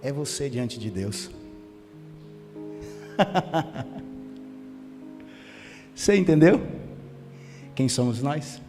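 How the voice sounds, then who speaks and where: A man's voice: medium pitch, drawn-out words, long pauses. Guy preaching in a church, long echo, guitar playing under him. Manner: animated storytelling with quoted family dialogue. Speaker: pastor. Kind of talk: sermon. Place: church sanctuary. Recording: church hall reverb with music behind. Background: guitar music.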